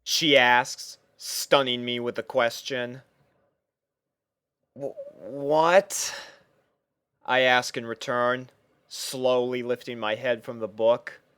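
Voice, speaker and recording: A man's voice: medium pitch, steady tone, takes it slowly, long pauses, pushed and bright, clear, resonant tone, no echo, clean studio sound. A man reading a first-person fan fiction story as narrator, dramatising the character's thoughts.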